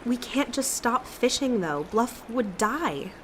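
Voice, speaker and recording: A woman's voice: fairly high pitch, animated, slow pace, fairly bright tone. A woman playing a headstrong, defiant young female cryptid in an audio drama, with an impulsive, argumentative and casual way of talking. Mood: protesting. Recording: clear watery ambience noise behind voice.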